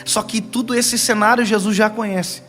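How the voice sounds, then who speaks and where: A young Brazilian pastor with a high voice preaches with lively storytelling, acting out the people he quotes. Soft music plays quietly behind him. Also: normal speed. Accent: Brazilian Portuguese. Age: young adult. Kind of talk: sermon.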